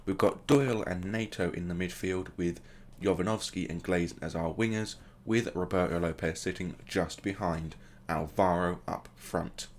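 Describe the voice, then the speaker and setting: Man, deep voice, casual let's-play commentary, play-by-play with jokey asides. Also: fairly even intonation, normal speed, hardly any pauses, a little hiss or hum. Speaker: gaming channel host.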